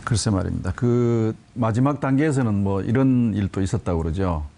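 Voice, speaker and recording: A man commenting on politics as a panelist, formal and measured, pausing between phrases. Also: on the low side, creaky, mellow.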